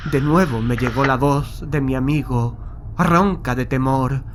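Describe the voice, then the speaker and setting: A man's voice: medium pitch, measured pace, lightly acted. A haunted man from played by an actor tells his horror tale in a mid-range voice. His delivery is grave, literary and anxious, over a faintly noisy night backdrop. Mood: haunted dread. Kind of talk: first-person horror audiobook narration. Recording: faint night ambience behind the voice.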